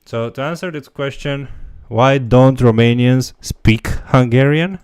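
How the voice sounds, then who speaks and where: A man's voice: medium pitch, measured pace, a little mellow, smooth, dry recording, clean studio sound. A man teaching a language, answering viewer questions in a casual livestream and thinking aloud as he goes. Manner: loose, talks while thinking aloud.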